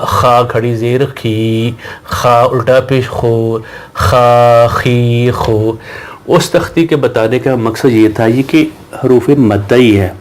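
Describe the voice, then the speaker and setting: A man teaching Quran reading, spelling out Arabic syllables slowly and explaining in quick bursts between them. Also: mid-range voice, darkish tone. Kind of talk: Urdu Qaida lesson, spelling out syllables.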